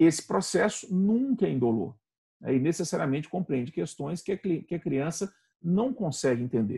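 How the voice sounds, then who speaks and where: A man's high voice, dark and mellow in tone, with very wide pitch swings. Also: moderate pace. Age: 40s. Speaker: podcast host and course teacher. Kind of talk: lecture. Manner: halting.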